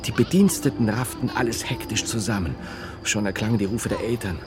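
An actor playing a grave medieval monk in an audio drama, telling his memories in a measured, poetic monologue. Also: on the low side, lightly acted. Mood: grave, haunted. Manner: measured, fragmentary, poetic storytelling. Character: medieval Italian monk recalling his childhood, grave, haunted. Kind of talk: dramatic first-person monologue. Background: music.

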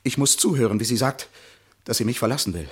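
An actor playing a proud, bitter lawyer cornered as a murderer, in a dramatic, strained radio crime play style. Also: male voice, medium pitch, expressive, quick pace, slightly rough. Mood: subdued, confessing.

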